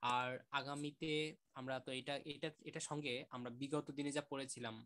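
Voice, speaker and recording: A man teaching an online class, gently praising students and repeating sounds to demonstrate them. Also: medium pitch, little pitch movement, a little fast.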